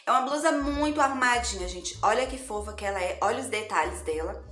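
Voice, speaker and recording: A woman's voice: fairly high pitch, lively intonation, a little fast, fairly bright tone, reverberant. Chatty, effusive woman vlogger. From Brazil. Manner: chatty and effusive, constantly addressing viewers. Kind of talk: casual thrift haul vlog. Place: living room at home, indoors.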